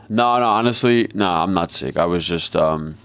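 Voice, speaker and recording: A man giving live trading commentary in a flat, monotone way, talking casually and bluntly with plenty of swearing over a video call. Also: sits low, unhurried. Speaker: trader and market commentator.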